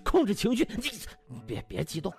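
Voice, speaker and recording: A man's voice: high-pitched, wildly swooping pitch, fairly quick, creaky, pitched above the performer's own voice, full character voice. A man voicing sly male doctors who feign concern, with exaggerated pleading, in a comic audiobook. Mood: mock urgent.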